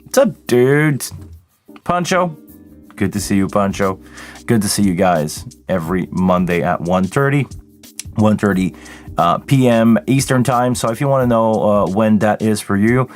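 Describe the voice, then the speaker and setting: A man hosts a relaxed livestream, greeting viewers by name in a very low, tired voice. He sounds worn out but friendly as he chats at his desk. Soft music plays faintly behind him. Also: a little slow. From Quebec, Canada. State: tired, voice deeper than usual this morning. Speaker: live sound engineer hosting a livestream. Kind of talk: casual livestream Q&A chat.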